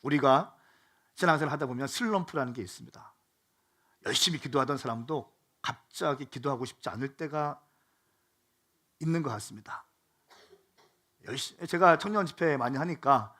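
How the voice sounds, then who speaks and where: A middle-aged man preaching a sermon as pastor, moving between slow, pleading passages and loud, fervent exhortation. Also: medium pitch, expressive.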